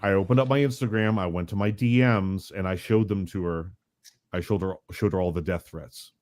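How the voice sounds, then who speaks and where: A man's voice: low-pitched, brisk, darkish tone, no echo, studio quality. A man on a casual podcast panel, telling a wry personal anecdote. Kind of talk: casual storytelling.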